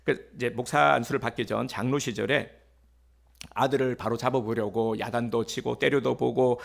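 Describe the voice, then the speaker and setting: A man's voice: medium pitch, steady tone, normal speed, creaky. A male pastor giving a sermon in a conversational way, with fillers, rhetorical questions and acted-out quotes.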